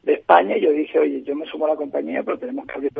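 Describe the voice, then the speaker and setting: A man from Chile, a guest on a podcast, talks thoughtfully with many hesitations and restarts in a husky, gravelly voice. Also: a little high, racing. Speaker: agency partner, guest. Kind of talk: conversational podcast interview. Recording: tinny phone-line sound.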